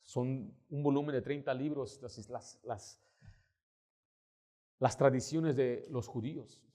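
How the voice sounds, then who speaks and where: A male pastor, preaching a sermon and telling stories with emphatic, lively delivery. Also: medium pitch, takes it slowly. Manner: storytelling, acting out quoted voices, emphatic.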